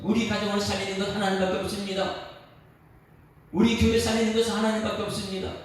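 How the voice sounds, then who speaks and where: A man's voice: sits high, a little mellow. A male pastor preaching an emphatic dawn sermon, asking the congregation questions and at times breaking into song. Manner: emphatic, rhetorical questions to the congregation, sings a line. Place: church sanctuary. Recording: echoey church hall from a distance, faint ambience.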